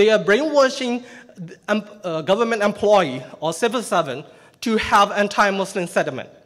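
With lively intonation and a high pitch, a man speaks at a moderate pace over a quiet background. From Myanmar. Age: young. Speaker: human rights specialist; conference speaker. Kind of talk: conference presentation. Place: hall. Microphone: podium.

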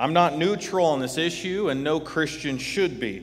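An ordinary speaking voice from a man with a fairly high pitch, lively intonation and a fairly slow pace. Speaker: pastor. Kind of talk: sermon. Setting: church. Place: church.

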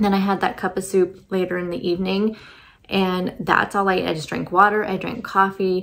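In a medium pitch, a woman talks at a very fast pace with monotone, flat intonation. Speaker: lifestyle vlogger. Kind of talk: casual vlog chat. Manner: casual, filler-heavy.

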